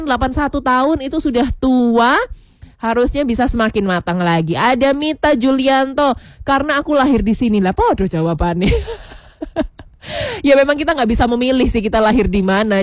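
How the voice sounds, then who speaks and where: A woman's voice: on the high side, no room sound, studio quality. A woman radio host, chatting casually on a morning show, laughing often and slipping into regional words, her voice a bit worn. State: voice worn from shouting. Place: radio studio.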